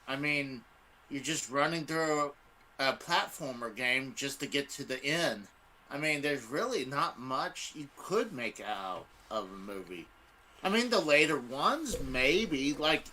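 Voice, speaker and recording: A man's voice: mid-range voice, pushed and bright, rough recording. A man speaking as a guest in a casual panel discussion, offering opinions conversationally. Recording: faint room noise.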